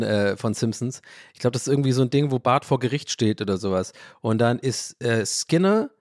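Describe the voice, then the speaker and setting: A man hosting a podcast, talking in a rambling, animated way, often interrupting himself and laughing. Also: mid-range voice, dry recording, studio quality. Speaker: podcast host. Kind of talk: casual podcast monologue.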